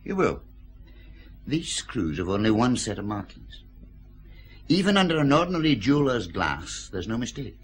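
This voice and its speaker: An actor playing a dry, self-satisfied police forensic scientist explaining evidence in a radio drama. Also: male voice, medium pitch, very animated, normal speed, pauses often, slightly rough. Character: wry Glasgow police forensic scientist, pleased with himself.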